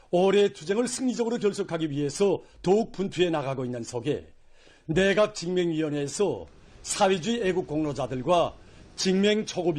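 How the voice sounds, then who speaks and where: A man with a North Korean accent reading scripted broadcast news in a formal, measured declamatory way. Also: sits high, darkish tone. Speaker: news announcer.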